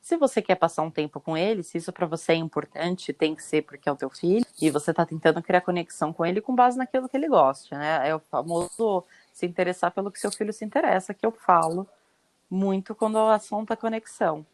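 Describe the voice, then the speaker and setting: A woman hosting a parenting podcast, explaining her advice to a guest in a lively, reassuring way. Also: fairly low pitch, quick pace, dry recording. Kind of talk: advice in casual podcast chat.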